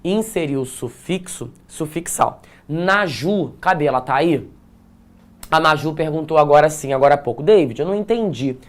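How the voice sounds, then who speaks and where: A man with a Brazilian Portuguese accent, teaching an online exam-prep lesson in an energetic way, repeating phrases and checking in with his students. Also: a little high, normal speed.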